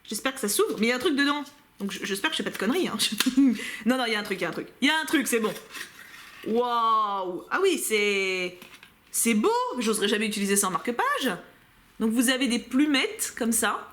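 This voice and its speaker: A woman chatting casually as she unboxes a book subscription box, animated and prone to excited outbursts. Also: a little high, fairly quick.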